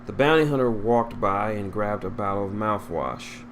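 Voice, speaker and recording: A man with a low voice narrates a story in an amateur read-aloud style. He occasionally stumbles and repeats a phrase, and there is clear noise in the recording. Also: moderate pace. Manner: stumbles over words and rereads phrases. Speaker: fan fiction reader.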